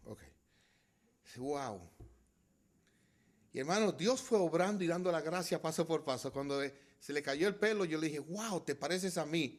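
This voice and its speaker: A middle-aged man preaching a sermon as pastor, swinging between loud exhortation and quiet storytelling and addressing the congregation as brothers. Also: fairly high pitch.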